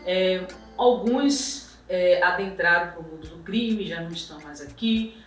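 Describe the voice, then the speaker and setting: Woman, Bahian Brazilian accent, mid pitch, very roomy distant recording, informal testimony, music behind. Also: a little slow. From Salvador, Bahia, Brazil.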